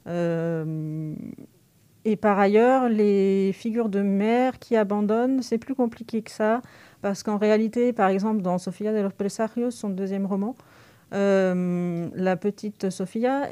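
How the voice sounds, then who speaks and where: A woman university lecturer answering radio interview questions thoughtfully, pausing often with fillers as she thinks. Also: mid-range voice, fairly even intonation, mellow, smooth. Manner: thoughtful, hesitant with frequent fillers.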